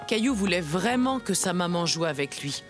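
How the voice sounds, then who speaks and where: Give the voice of a gentle female storyteller played by a woman in a children's cartoon. The delivery is expressive and very animated, like reading a storybook to little ones. Music plays behind the voice. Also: fairly low pitch, normal speed, lightly acted. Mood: storytelling. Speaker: storyteller narrator. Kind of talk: scripted children's story narration.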